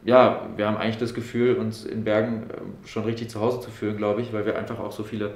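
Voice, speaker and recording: Junger Mann, tiefe Stimme, halliger Raum. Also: male voice, lowish voice, level tone, fast, echoey room. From Berlin, Germany. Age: 20s. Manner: thoughtful, many fillers and restarts. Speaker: medical student. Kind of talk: interview answers. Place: room in a doctor's practice.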